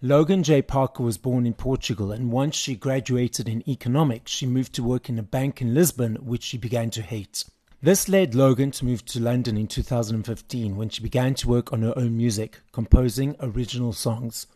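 A man's voice: mid-range voice, brisk, warm tone. A man from South Africa hosting an interview show, reading an upbeat introduction and then asking questions. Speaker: host. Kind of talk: podcast interview.

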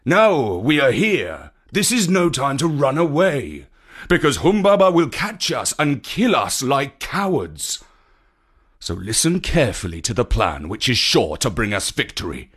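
Brief: man voicing a calm, reassuring storybook warrior, slow and expressive. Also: mid-range voice, slightly rough, heavily acted. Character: loyal steady male companion warrior.

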